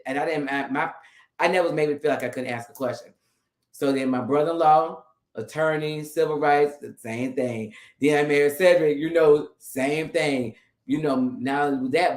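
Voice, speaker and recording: A woman co-host telling a story in a casual, animated way, laughing often and restarting her sentences. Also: extremely low pitch, reverberant. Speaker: podcast co-host.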